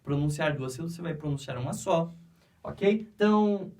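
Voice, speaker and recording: A man's voice: a little high, lively intonation, moderate pace, darkish tone, recorded from a distance. A man with a Brazilian Portuguese accent teaching an English grammar lesson, patiently repeating each step and checking that students follow.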